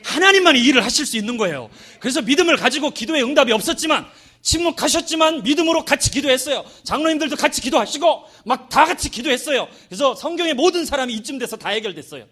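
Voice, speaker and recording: Male missionary pastor mid-sermon, bright high register, swooping animated delivery, acts out quotes. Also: quick pace. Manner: animated, dramatic, asks the congregation to respond; acts out quoted voices with loud shouts. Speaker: missionary preacher.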